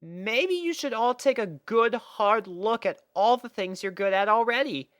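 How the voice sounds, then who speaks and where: A woman voicing a kindly but fretful young adult mare pony, expressive and reassuring, in a story reading. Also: fairly high pitch, measured pace, dry recording, clean studio sound, pitched above the performer's own voice.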